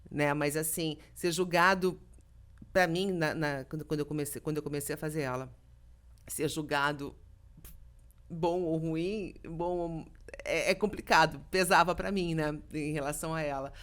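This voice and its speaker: A middle-aged woman from Brazil talks in a relaxed podcast interview, with a fairly low voice. She tells anecdotes with energy and acts out what people said. She is a voice actress speaking as a guest. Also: normal speed. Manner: lively storytelling, acts out quoted dialogue.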